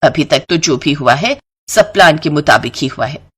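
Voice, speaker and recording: Woman playing a sly, husky greedy maidservant. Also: deep voice, expressive, normal speed, a bit bright, voice pushed down, full character voice. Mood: scheming. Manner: sugary coaxing talk, calculating asides. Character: greedy scheming middle-aged maidservant, falsely sweet mother.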